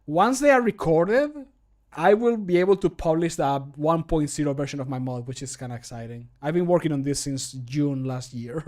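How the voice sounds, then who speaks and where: Speaking at a normal pace in a slightly high, somewhat mellow voice, this thirty-something streamer and mod voice actor keeps his livestream chat jokey and self-deprecating. He sits close to the microphone indoors in a small home room, recording as he talks.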